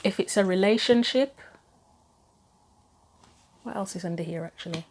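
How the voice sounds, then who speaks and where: A tarot reader who hosts her own channel gives a casual, informal spoken reading, thinking aloud through the possibilities. Her mid-range voice has a darkish tone and a moderate pace. Her throat seems a little troubled, and her voice is starting to go.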